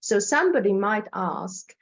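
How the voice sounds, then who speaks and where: In a mid-range, lively voice at a moderate pace, a woman from Poland presenting as a hypnotherapist speaks informally with a Polish accent. Her delivery is hesitant and repetitive, often tagged with "right?" as she checks in, and the recording loses its highs.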